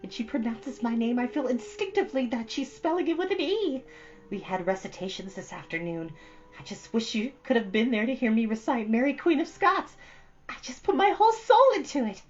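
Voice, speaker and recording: An effusive, dramatic young storybook schoolgirl, acted out by a woman, pitched well above the reader's natural voice. She gushes breathlessly and theatrically. The audio is slightly dull. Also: lively intonation, brisk, natural voice. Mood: adoring. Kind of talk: storybook character reading.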